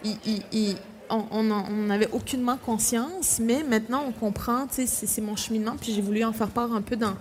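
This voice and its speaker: A woman's voice: on the high side, steady tone, fairly quick, hardly any pauses. A young woman, an author speaking with many hesitations and restarts. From Quebec, Innu community. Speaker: author guest.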